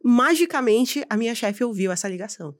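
A woman's voice: on the high side, expressive, fairly quick. A Brazilian woman, a podcast guest, telling personal stories in a candid, slangy way and laughing often. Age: adult, with a daughter who was 12 years ago. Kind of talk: casual storytelling conversation.

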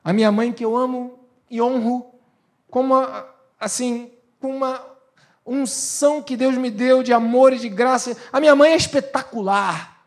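A man preaching a sermon as pastor, swinging between loud emphatic lines and hushed asides. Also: extremely high pitch, steady tone, normal speed.

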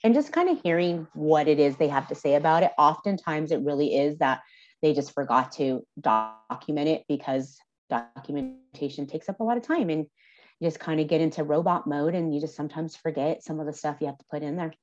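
Low-pitched woman guest, frank and reflective, slightly muffled lo-fi sound. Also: brisk, darkish tone. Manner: thoughtful, candid, lightly laughing between points. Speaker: social services supervisor, podcast guest. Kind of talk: casual interview answers.

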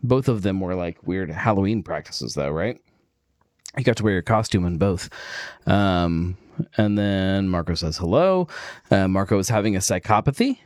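A man's voice: sits low, lively intonation, normal speed, darkish tone, no room sound, clean studio sound. Easygoing man hosting a casual stream. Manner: easygoing, rambling with many fillers. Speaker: livestream host. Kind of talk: casual chat.

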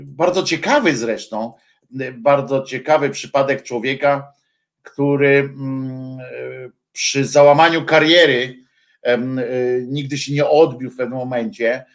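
Guy on the radio between songs, talks real slow, lots of ums, thinking out loud. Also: mid-range voice. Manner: slow, halting, reflective, many filler sounds. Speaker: radio host.

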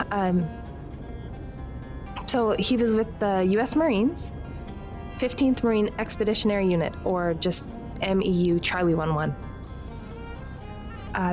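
A woman's voice: mid-range voice, close to an everyday voice. A woman playing a shy, awkward doctor in an audio drama, stammering and unsure of herself as she talks. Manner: hesitant, self-deprecating, stammering.

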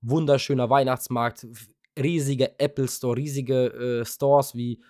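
A man's voice: mid-range voice, steady tone, measured pace, dark tone, no room sound, clean studio sound. A young man co-hosting a podcast, telling a long casual story with lots of fillers and offhand swearing. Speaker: podcast co-host. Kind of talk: casual chat.

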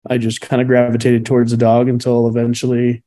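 This man, originally from Cuba, works as a dog trainer and chats loosely as an interview guest, wandering through his stories with plenty of fillers and laughter. He speaks fast in a medium-pitched, warm voice that stays completely flat.

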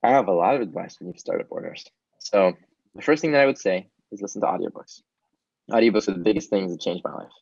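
A man's voice: low voice, fast, creaky, darkish tone, dry recording, dull audio. A man whose first language is Hebrew, a startup founder giving casual, earnest interview answers with frequent ums.

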